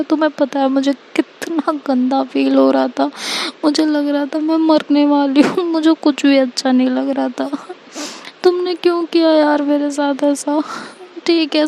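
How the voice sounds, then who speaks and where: Woman storyteller doing tearful young woman, sobbing, halting pleas, pitched up. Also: a little mellow, a little hiss or hum. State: crying.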